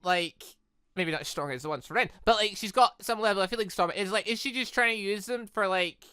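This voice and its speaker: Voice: mid-range voice, a little fast, pushed and bright, clear, resonant tone, no echo, clean studio sound. A chatty gaming video creator rambling casually through a visual novel let's play, often getting side-tracked.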